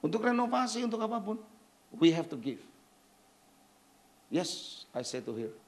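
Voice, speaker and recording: Male pastor with a gravelly, lively voice, preaches emphatically and keeps questioning the congregation. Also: sits high, measured pace. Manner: emphatic, peppers talk with rhetorical questions to the congregation; mixes in English phrases. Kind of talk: sermon.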